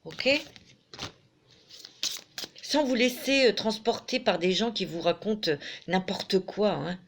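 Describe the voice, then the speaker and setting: A woman's voice: medium pitch, lively intonation, takes it slowly, a little hiss or hum. Chatty French-speaking woman reading cards. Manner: chatty, fond, peppered with "hein", reads card texts aloud. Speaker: tarot and oracle card reader. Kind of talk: casual spoken card reading.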